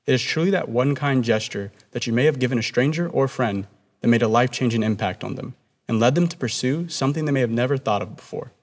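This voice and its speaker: A man's voice: medium pitch, quick pace. A young man, the student body president, delivering an earnest, prepared commencement speech at a podium on stage. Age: young adult. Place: stage with podium and red curtains. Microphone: podium mic. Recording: long hall reverb.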